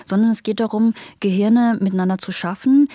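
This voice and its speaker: A woman in her thirties who grew up in Germany, a political philosopher explaining her ideas earnestly in an interview and often checking in with a quick "ja?". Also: mid-range voice, warm tone, no room sound. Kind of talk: thoughtful interview answers.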